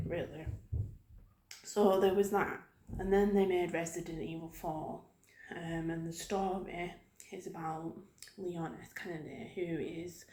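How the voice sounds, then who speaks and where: A woman speaking softly in an ASMR style, rambling gently and haltingly as she talks to her viewers. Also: lowish voice, slight background noise. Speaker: video creator hosting her own channel. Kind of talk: soft-spoken ASMR ramble about video games. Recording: roomy, echoing sound.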